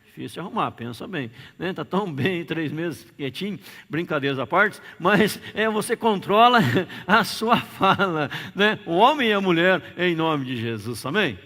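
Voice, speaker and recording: A man's voice: a little high, lively intonation, normal speed, pushed and bright. A man preaching a sermon in Brazilian Portuguese, emphatic and repetitive, calling on the congregation for amens. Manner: emphatic, repeats key words, calls out for amens. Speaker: pastor. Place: church sanctuary. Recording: reverberant church hall.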